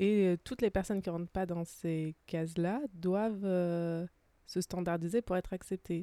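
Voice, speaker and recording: On a very clean recording with a silent background and a dry, close sound free of echo, a woman speaks at a moderate pace with a fairly low pitch, a dark, mellow tone and fairly even intonation. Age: 20s. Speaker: podcaster. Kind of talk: casual chat.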